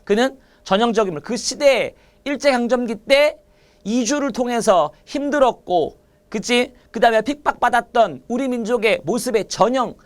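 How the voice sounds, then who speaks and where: A man teaching literature in an online exam-prep lecture, repeating key points and firing quick questions at his students. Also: very high-pitched.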